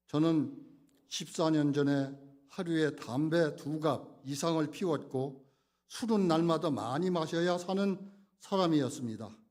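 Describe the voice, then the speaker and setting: Room echo is audible as a man talks at a very slow pace. His pitch is fairly high. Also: ordinary pitch variation. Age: 70s. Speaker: church elder. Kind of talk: testimony. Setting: church.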